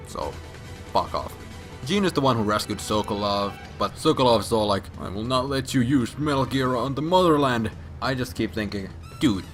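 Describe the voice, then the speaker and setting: A drunk man rants in a low, forceful voice, rambling and swearing with emphatic outbursts. He is explaining a video game storyline as a casual, comedic recap, with music playing in the background.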